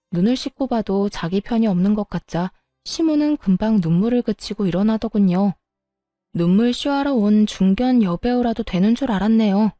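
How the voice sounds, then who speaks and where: A woman narrates a family revenge story in a chatty, confiding manner. Her voice is mellow and warm. The recording is dry, with faint music underneath. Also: medium pitch, no room sound.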